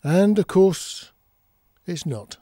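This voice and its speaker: A man's voice: sits high, animated, takes it slowly, dark tone. A man giving a casual explainer as a presenter, talking in a matter-of-fact, conversational way, step by step. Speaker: presenter of an audio gear channel.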